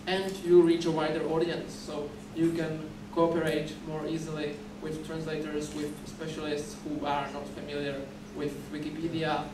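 Man lecturing in an echoey hall. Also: fairly high pitch. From Czech Republic. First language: Czech. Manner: halting, repeats words and restarts, steady explaining. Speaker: conference speaker. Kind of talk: conference presentation. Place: dim lecture hall, at a podium. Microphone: podium mic, recorded from a far camera. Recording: echoey hall recorded from far off, noisy.

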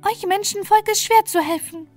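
A woman voicing a small, scolding female ant in a bedtime storybook, high and reproachful. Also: moderate pace, a little mellow, soft background music.

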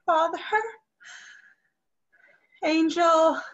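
A young woman playing a fading, dreamy, devoted heroine, entranced and drawn-out, in a staged reading over a video call. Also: very high-pitched, level tone, no echo, exaggerated voice. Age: young adult. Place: living room, video call. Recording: dull video call audio.

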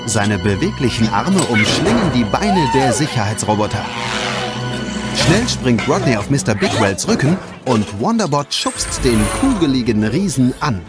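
Male narrator, medium pitch, expressive intonation, children's story narration, prominent music underneath. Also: normal speed. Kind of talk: scripted storytelling for a children's audio drama. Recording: loud music behind the voice.

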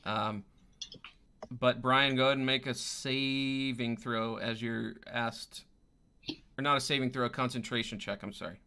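Bright-voiced man running a tabletop game. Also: mid-range voice, fairly even intonation, a little hiss or hum. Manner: halting, pausing to find words. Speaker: game master. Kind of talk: improvised narration of a tabletop roleplaying game. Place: indoor room at home, on a video call.

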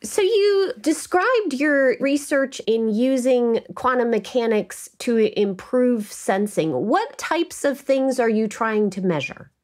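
A woman's voice: on the high side, expressive, takes it slowly, hardly any pauses, a little mellow. A woman hosting a podcast, reading polished, welcoming introductions and questions. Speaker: podcast host. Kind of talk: scripted interview questions.

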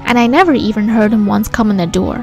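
A woman's voice: medium pitch, fast talker, vocal fry. A woman hosting a let's play, reading a visual novel aloud and adding casual commentary. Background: game music.

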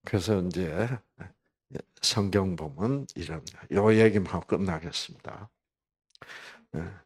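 A man's voice: low-pitched, takes it slowly, a little mellow, slightly rough. A man giving a conversational Bible lecture at a health program. He poses rhetorical questions and addresses listeners by name.

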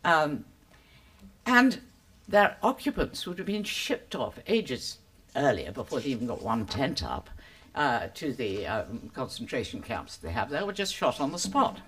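Older woman, deep smoker's voice, sardonic debater, hugely animated pitch. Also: a little slow. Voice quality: deep smoky voice. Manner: witty, sardonic, theatrical. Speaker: panelist. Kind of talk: public debate speech. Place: conference hall.

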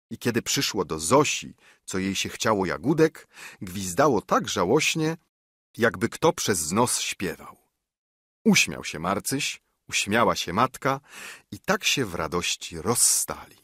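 A man reading a classic novella as an audiobook in measured, expressive narration on a close mic. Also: low-pitched, dry recording. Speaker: audiobook reader.

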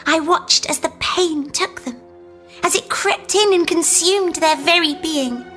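A morbid cultist woman in an audio drama monologue, savouring death with reverence. Her voice is very high and bright, and she draws out each phrase slowly. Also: heavily acted. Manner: deliberate, drawn-out, reverent about death. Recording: music bed underneath.

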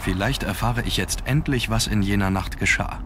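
A brooding gentleman investigator acted by a man talks to himself in an adventure game. The voice is fairly low and measured, with earnest drama. A faint noise sits behind it. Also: lightly acted. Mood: curious, intent. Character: brooding male heir investigating a family mystery. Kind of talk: scripted adventure game monologue.

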